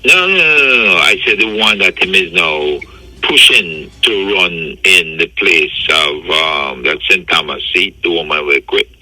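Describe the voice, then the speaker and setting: A man in his seventies from Jamaica, calling in and talking calmly with some hesitation. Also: deep voice, unhurried, no echo, poor audio. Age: 70s. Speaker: caller. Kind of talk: phone-in talk.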